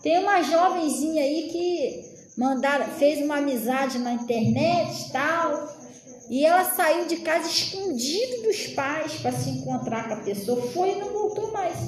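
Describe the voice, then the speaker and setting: A woman's voice: high-pitched, lively intonation, measured pace, roomy sound, rough recording. A woman in her late thirties giving an informal, chatty sermon, often turning to address her listeners directly. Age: 30s. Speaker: preacher.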